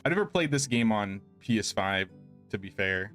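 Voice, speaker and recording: A man's voice: lowish voice, animated, normal speed, fairly bright tone, faint music behind. A man casually commenting on his gameplay during a live stream, thinking aloud and answering chat questions.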